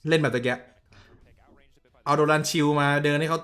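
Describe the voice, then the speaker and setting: A man streaming himself watching a match, commenting casually in a blunt, excitable way with crude slang and answering viewer messages. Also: on the high side, normal speed.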